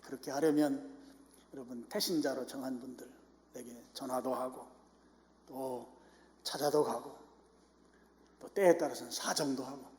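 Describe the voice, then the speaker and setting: A Korean man preaching a sermon as pastor, moving from calm explanation to loud, impassioned urging of his congregation. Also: mid-range voice, unhurried, long pauses. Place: church sanctuary. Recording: echoey church hall.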